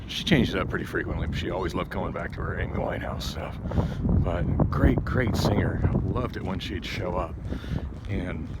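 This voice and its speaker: Low-voiced man rambling through heavy wind noise. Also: moderate pace. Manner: digressive, loses thread and circles back. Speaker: vlogger. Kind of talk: casual rambling walking monologue to camera. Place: outdoors on a street, walking. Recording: loud wind noise buffeting the microphone. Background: loud wind.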